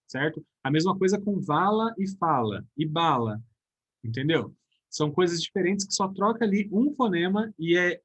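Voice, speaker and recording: A man's voice: fairly high pitch, slightly rough. A Brazilian man with a Brazilian Portuguese accent teaching a recorded grammar lesson in a casual, chatty way, often checking in with his students.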